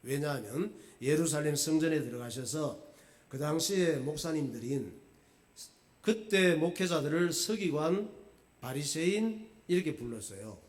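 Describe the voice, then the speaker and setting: Male pastor, sermon, chatty storytelling with jokes, high and very animated. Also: unhurried. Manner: lively, colloquial storytelling with jokes.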